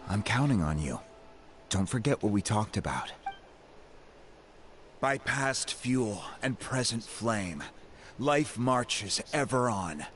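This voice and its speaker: A man voicing a solemn tribal chief in a video game, speaking in measured, ceremonial phrases. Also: on the low side, sing-song, fairly bright tone, soft background music, full character voice. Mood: earnest.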